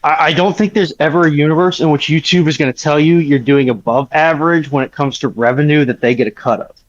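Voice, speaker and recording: Higher-voiced sarcastic man on a dull mic. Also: fairly even intonation, quick pace. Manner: sarcastic, dry humour. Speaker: panelist on a live stream. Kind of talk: casual bantering chat.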